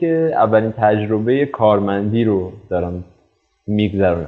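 A man's ordinary speaking voice, fairly low in pitch, with ordinary pitch variation. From Bojnurd, North Khorasan, Iran. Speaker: digital marketer and tour leader. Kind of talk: casual interview. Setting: video call.

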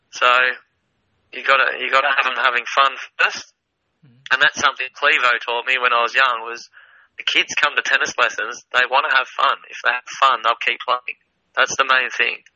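A man of medium pitch speaks in a monotone, flat intonation, with long, frequent pauses and big swings in loudness. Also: moderate pace. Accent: Australian. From Australia, Cranbourne (Melbourne area). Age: 30s. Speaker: tennis coach. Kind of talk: casual chat.

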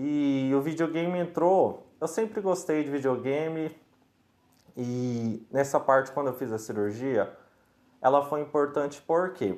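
A man speaks in an unremarkable speaking voice at a fairly slow pace. His pitch is fairly high, with ordinary pitch variation. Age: 20s. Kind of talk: casual chat.

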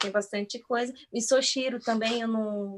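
Delivery is monotone and flat in intonation, at a moderate pace. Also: woman. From Brazil. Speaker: worker living abroad. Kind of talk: casual chat.

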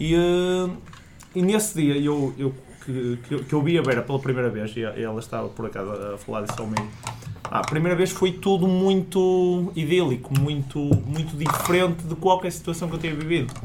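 Over noticeable background noise, a man with a northern Portuguese accent speaks at a moderate pace, his fairly high pitch carried by lively intonation. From northern Portugal. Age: 30s. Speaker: football professional, podcast guest. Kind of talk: casual chat. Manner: halting.

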